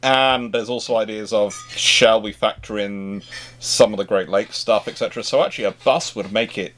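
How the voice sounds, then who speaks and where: A man's voice: fairly low pitch, normal speed, fairly bright tone. A man hosting a casual livestream chat, talking in a rambling, stop-start way that doubles back on words. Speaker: livestream host.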